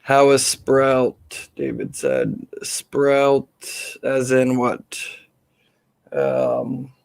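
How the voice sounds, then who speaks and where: Hosting an informal live question-and-answer stream, a man talks off the cuff in a halting way. His mid-range voice is slightly hoarse and swings widely in pitch, with no echo.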